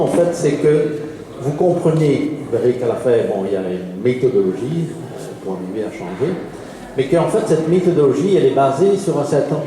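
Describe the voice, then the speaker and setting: A man in his fifties with a Liège Belgian accent, giving a public lecture in a hesitant way, with many fillers and small chuckles between points. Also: mid-range voice. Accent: Liège Belgian French. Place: large lecture hall. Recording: echoey hall with long reverb.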